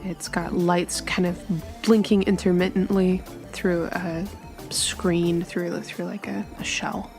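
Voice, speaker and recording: A woman improvising description as a tabletop game player, halting as she searches for words. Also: fairly low pitch, flat delivery, darkish tone. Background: music.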